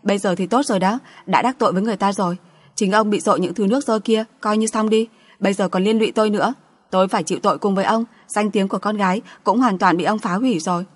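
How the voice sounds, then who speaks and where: A woman's voice: mid-range voice, fairly even intonation, fast talker, close to an everyday voice. A woman voicing a bitter, desperate middle-aged wife and mother in an audiobook, ranting and accusing. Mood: angry, desperate.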